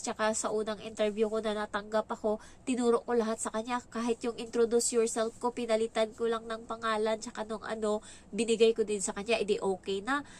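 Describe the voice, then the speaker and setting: A young woman with a Filipino accent telling a story in casual vlog chat. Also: fairly high pitch. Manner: chatty, acts out quoted lines in a raised voice. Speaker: vlogger.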